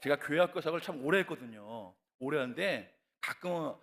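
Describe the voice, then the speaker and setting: High, lively preacher in a big reverberant hall. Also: male voice, a little fast. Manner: animated storytelling with rhetorical questions. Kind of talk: sermon. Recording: long reverb of a large hall.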